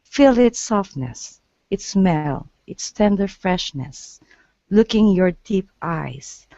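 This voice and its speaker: A woman's voice: medium pitch, lively intonation, warm tone, no echo. Woman reading her poem, dull line. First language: Portuguese. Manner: earnest, halting, restarts words. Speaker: guest poet.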